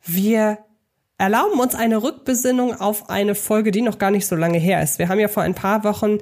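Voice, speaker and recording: A woman talks as a podcast co-host. Her pitch sits in the middle of the female range, and she explains things conversationally in long, winding sentences. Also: moderate pace, darkish tone. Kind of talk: conversational film podcast talk.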